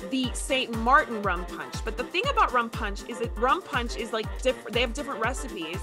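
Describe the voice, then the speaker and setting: A woman in her thirties from Ecuador, a native Spanish speaker with a slight accent, hosting a casual video-call chat in an upbeat, animated way. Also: fairly high pitch, moderate pace, over music. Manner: bubbly, animated, laughs often. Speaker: host. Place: home studio with shelves.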